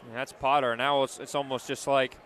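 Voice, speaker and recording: A man's voice: medium pitch, flat delivery, a little fast, a bit bright, slight background noise. An American man giving live basketball analysis as a color commentator.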